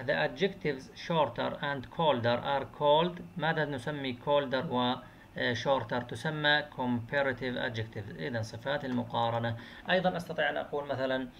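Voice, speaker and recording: A man teaching an English grammar lesson who explains slowly, repeats terms, and asks and answers his own questions. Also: mid-range voice, vocal fry. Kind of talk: recorded classroom lesson. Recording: dull lo-fi recording with faint noise.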